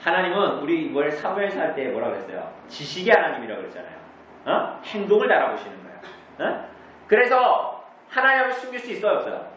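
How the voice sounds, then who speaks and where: A man's voice: a little high, huge pitch swings, fast, fairly bright tone, a little hiss or hum. A man teaching a church group about the catechism, asking the congregation questions and answering them himself. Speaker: pastor. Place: church meeting room. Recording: distant, echoey, dull room recording.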